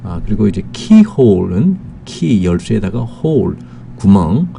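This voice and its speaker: Low gravelly man explaining slowly. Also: very animated, dark tone, a little hiss or hum. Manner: slow and explanatory, with many filler sounds, reads English examples slowly. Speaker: English teacher. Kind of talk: recorded grammar lesson.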